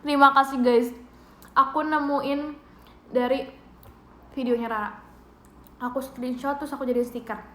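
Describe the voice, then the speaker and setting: Playful high-voiced young Indonesian woman. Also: fairly even intonation, normal speed, long pauses, fairly bright tone. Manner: playful, giggly, reads out viewer gifts. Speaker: idol livestream host. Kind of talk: casual livestream chat to viewers. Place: bedroom at home. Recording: roomy echo from a home livestream.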